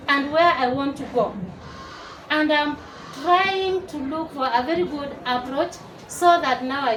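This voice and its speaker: A woman in her forties from Uganda, a teacher and network marketer, giving a lively testimonial to a live audience and rallying them to clap. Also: high-pitched. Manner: lively, rallies the crowd to clap. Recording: echoey hall, far from the mic, noisy.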